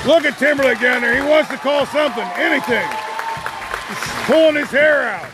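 A man's voice: very high voice, normal speed. A man doing live play-by-play basketball commentary in a folksy, wisecracking manner. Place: indoor school gymnasium during a game. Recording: noisy gym with loud crowd. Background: crowd noise, bouncing ball.

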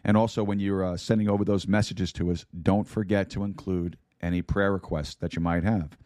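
A man hosting a sermon podcast, hoarse and raspy from losing his voice, talking to listeners in a folksy way with many fillers. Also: low-pitched, fairly even intonation, fairly quick, a little mellow, dry recording, studio quality. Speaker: podcast host and Bible teacher. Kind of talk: casual sermon-podcast talk.

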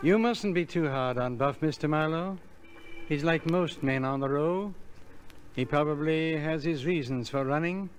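An actor playing an earnest, cryptic skid row philosopher in old radio style, with formal, preachy, halting speech. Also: male voice, fairly high pitch, faint music behind, natural voice. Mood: earnest warning. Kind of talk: old-time radio acting. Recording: old radio recording, faint noise.

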